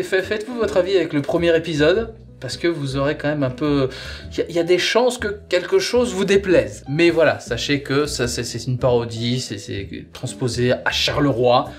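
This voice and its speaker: A man's voice: a little high, moderate pace, soft background music. A man hosting a review show, chatting casually as he presents and gives his opinion. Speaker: host reviewing audio sagas.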